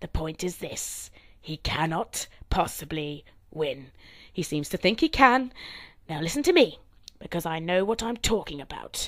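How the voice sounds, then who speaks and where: A woman in a put-on character voice speaks at a medium pitch with lively intonation, long and frequent pauses, and big swings in loudness. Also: moderate pace. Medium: read story. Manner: insistent, self-assured.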